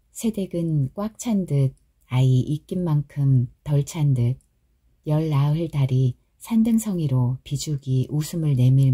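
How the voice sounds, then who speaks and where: Low, husky woman reading an audiobook. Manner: calm, soft, even-paced reading. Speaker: audiobook reader. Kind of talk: bedtime audiobook narration.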